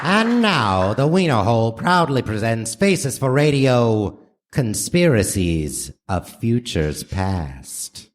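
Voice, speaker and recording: A man's voice: mid-range voice, very animated, takes it slowly, a faint crowd. A man narrating in a grandiose, theatrical mock old-time radio announcer style on a live stage. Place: theater stage before audience. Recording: noisy live theater recording.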